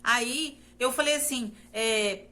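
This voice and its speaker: Her voice fairly high, pushed and bright, a Brazilian woman speaks slowly while sharing an earnest, repetitive faith testimony, frequently turning to her audience.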